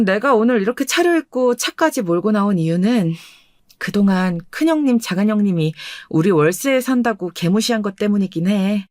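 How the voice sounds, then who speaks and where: A woman voicing a calm, confident and teasing wealthy wife in a dramatized radio story. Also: medium pitch, no echo, clean studio sound, natural voice. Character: rich, self-assured young wife.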